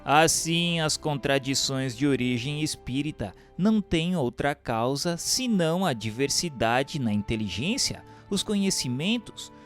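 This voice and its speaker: A man with a Brazilian accent reading a doctrinal book aloud as a narrator, in a formal, measured, didactic way. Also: a little high, lively intonation, soft background music. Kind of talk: scripted audiobook narration of a doctrinal text.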